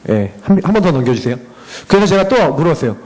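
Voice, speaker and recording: A man's voice: fairly high pitch, fast, low-quality recording. A man in his thirties, a parent giving a slide presentation at a church education session, telling stories about his children and acting out their talk. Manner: animated storytelling, acting out dialogue with his children.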